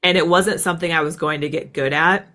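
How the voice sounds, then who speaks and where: Brisk, bright and forceful, her low voice stays fairly even in intonation. The speaker is an American former military fighter pilot appearing as an interview guest, telling stories in a casual, reflective way peppered with "like" and "right."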